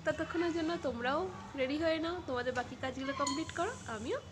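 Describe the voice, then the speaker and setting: A woman's voice: high voice, quick pace, background noise. A woman chatting casually to her viewers in a home vlog, talking to them like friends. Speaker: vlogger. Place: rooftop and home.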